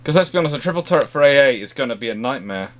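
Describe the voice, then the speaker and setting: Halting man discussing naval hardware. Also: mid-range voice, lively intonation. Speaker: naval history expert answering questions. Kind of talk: discussion and commentary on naval history.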